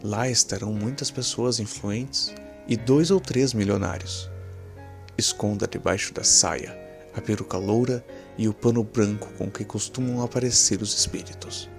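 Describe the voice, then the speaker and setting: A man's voice: on the low side, normal speed, vocal fry, soft background music. A man voicing a cynical, cruel professor and fraudulent medium in an audio horror story, commanding and coldly sinister.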